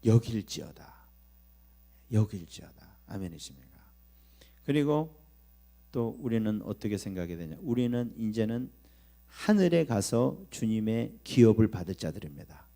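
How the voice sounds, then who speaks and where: A man's voice: lowish voice, big pitch swings, normal speed, warm tone. A man preaching a sermon at a church prayer service, emphatic, often calling for amen and acting out inner voices. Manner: emphatic, repeatedly asking the congregation for amen; acts out quoted inner voices in first person. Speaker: pastor. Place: church sanctuary. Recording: mains hum behind the voice.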